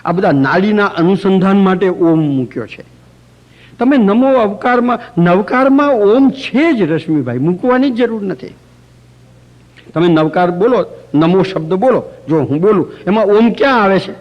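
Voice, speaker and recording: A man with a high-set voice leads a religious workshop before a group. He explains points through everyday anecdotes told with a light, humorous touch. He often stops to chant sample phrases aloud himself. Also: animated, moderate pace, lo-fi sound. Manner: storytelling, demonstrates chanting aloud. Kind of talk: lecture to a live group. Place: community center hall.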